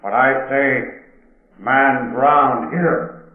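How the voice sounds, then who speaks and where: An actor playing a big, solemn, fearful Native American cave guide who speaks terse, halting broken English in an old-time radio drama. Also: male voice, medium pitch. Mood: grave. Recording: tinny old radio recording, echoey.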